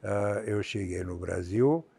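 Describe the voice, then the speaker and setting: A man in his seventies from Bulgaria, speaking with a Bulgarian accent as a guest in an interview on a theater stage, measured and halting with many fillers. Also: fairly low pitch, gravelly, warm tone, breathy edge, no room sound. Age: 70s. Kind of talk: stage interview on a TV talk show.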